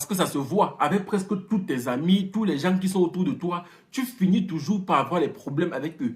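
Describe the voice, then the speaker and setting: In an animated tone, a man with a high pitch talks at a moderate pace. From Cameroon. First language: a Cameroonian language (speaking French). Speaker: YouTuber, commentator. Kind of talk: rant, direct address to a rival. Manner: confrontational, animated.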